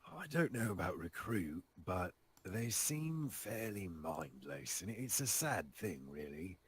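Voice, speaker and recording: Man acting a genteel zombie, low-pitched, raspy, measured, formal, cautious, melancholy, tabletop game character. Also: big pitch swings, heavily acted. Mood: grave, pensive. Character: classy, cautious, melancholy male undead zombie adventurer.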